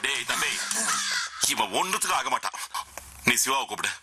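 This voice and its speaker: An actor playing a cunning elder landlord, the older brother, in a film comedy, slow and commanding. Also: male voice, medium pitch, big pitch swings, heavy background noise. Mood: scheming.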